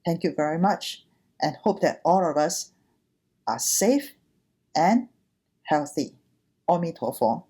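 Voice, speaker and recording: Slow, mellow-voiced woman giving a Dharma talk. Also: sits low, lively intonation, husky. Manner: deliberate, short phrases with pauses, earnest. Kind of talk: sermon, gentle teaching talk.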